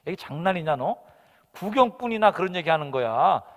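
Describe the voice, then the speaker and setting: A preacher playing a scornful scolding big brother. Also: male voice, fairly high pitch, very animated, brisk. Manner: scolding, mocking. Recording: long hall reverb.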